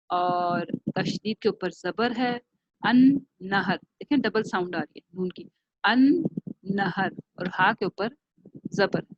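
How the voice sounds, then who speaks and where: Pakistani woman, teacher; slow careful delivery with some vocal fry; dull, lo-fi recording. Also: medium pitch, no echo. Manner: slow, careful pronunciation, repeating words. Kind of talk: online class lesson.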